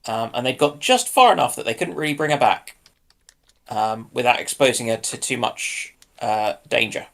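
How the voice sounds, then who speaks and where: A man with a mid-pitched voice speaks as a panelist in an informal history chat. He talks haltingly, working out his thoughts as he goes. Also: animated, vocal fry, a bit bright. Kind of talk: casual naval history chat.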